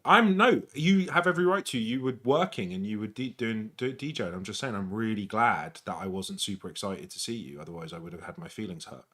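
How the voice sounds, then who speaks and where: A man's voice: on the low side, brisk, few pauses, a bit bright. A man chatting on his partner's live stream, complaining in a dry, mock-sarcastic way. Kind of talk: casual chat.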